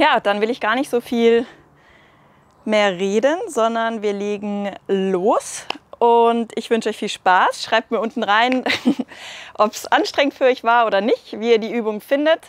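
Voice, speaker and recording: A woman speaking fairly slowly, with long, frequent pauses and a dry sound with no echo. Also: ordinary pitch variation. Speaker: fitness trainer. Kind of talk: workout tutorial intro. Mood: friendly, upbeat. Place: open country. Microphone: lapel.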